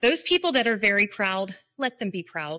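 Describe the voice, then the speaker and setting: A loud woman at medium pitch, her tone bright and sharp, in a dry, close recording with no echo. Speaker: Pilates teacher and studio owner. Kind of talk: interview conversation. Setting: live online show. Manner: loud, projecting.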